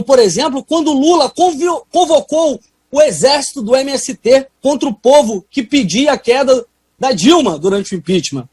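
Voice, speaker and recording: Brazilian woman lawmaker ranting hard in session, high husky voice, super dry sound. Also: dry recording. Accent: Brazilian Portuguese. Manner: combative, emphatic. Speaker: legislator. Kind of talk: parliamentary speech.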